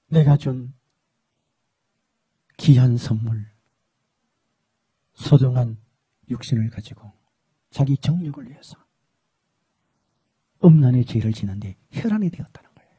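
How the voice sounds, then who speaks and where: A man voicing the Lord, speaking low, hushed and solemn to a servant. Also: unhurried, pauses often, husky.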